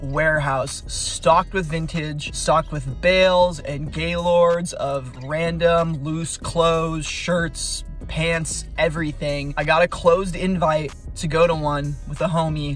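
A man speaks fairly slowly in a high, flat monotone. The sound is dry with no echo, and faint music plays in the background. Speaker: vintage reseller vlogger. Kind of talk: casual vlog chat. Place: car. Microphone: phone near.

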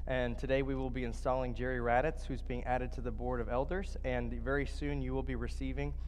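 Speaking very fast in a monotone, flat intonation, a man with a very deep, low pitch and vocal fry comes through over light background noise. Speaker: minister. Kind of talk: church announcements. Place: church.

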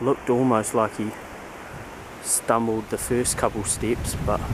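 The delivery is monotone and flat at a fairly slow pace. The sound is dry with no echo, though noticeable background noise is present. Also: man. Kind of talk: casual vlog narration. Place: forest. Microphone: phone near.

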